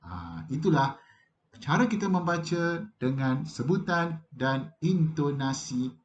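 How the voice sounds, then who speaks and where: A Malaysian man teaches a recorded lesson for young schoolchildren. His voice sits fairly high and swings up and down with animated, sing-song emphasis as he coaxes his pupils. The recording is somewhat dull and lo-fi. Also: takes it slowly. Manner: warm, coaxing, addresses pupils directly.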